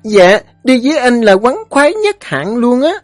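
A man's voice: very high-pitched, very animated, moderate pace, no room sound, soft background music, pitched above the performer's own voice. A man voicing a cheerful, chatty five-year-old boy, eager and sweet-talking. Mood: excited.

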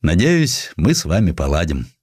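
Man acting a deep, emphatic general. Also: sing-song, moderate pace, darkish tone, husky, dry recording, clean studio sound, heavily acted. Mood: hearty. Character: brisk, self-assured 19th-century Russian general. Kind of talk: audiobook character acting.

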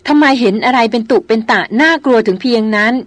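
A woman voicing a calm, protective male hunter who gently soothes and reasons. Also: on the high side, moderate pace, dry recording, lightly acted. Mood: soothing.

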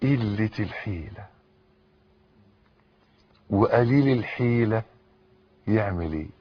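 An Egyptian man preaching a sermon, moving from hushed pleading to fervent shouting. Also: lowish voice, lively intonation, takes it slowly. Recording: dull lo-fi recording.

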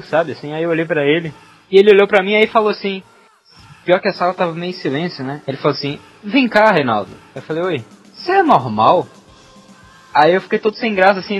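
Brazilian male co-host, high, animated storyteller, slangy chat, muffled recording. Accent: Brazilian Portuguese. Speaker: podcast co-host. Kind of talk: casual chat. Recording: slightly muffled podcast audio.

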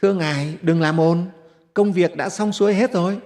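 A man voicing a calm, self-satisfied male potter who reassures his patron, in a reverberant hall. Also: high voice, normal speed, pitched above the performer's own voice, lightly acted. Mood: reassuring.

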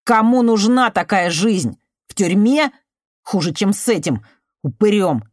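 A woman reading an audiobook voices a desperate young man who answers with bitter sarcasm and often breaks into shouting. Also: mid-range voice, lively intonation, a little slow, no echo, studio quality, voice pushed up, natural voice.

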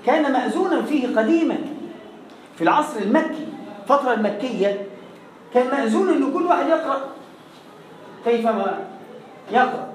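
A Quran recitation teacher with an Egyptian accent, giving a classroom lesson and slowly reciting example words again and again to demonstrate. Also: high-pitched, animated, a little hiss or hum. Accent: Egyptian Arabic. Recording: echoey room, voice far from the mic.

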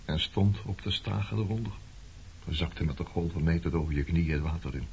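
A man's voice: low voice, brisk, creaky, darkish tone. An actor playing a brooding former resistance man turned skipper, probing and bitter with an old lover in a radio play. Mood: wistful. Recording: dull, noisy old radio play recording.

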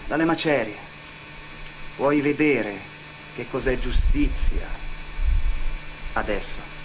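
A man's voice: mid-range voice, takes it slowly, noisy background. A man working as an actor-narrator, telling a story in dramatic theatre style. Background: music under the voice.

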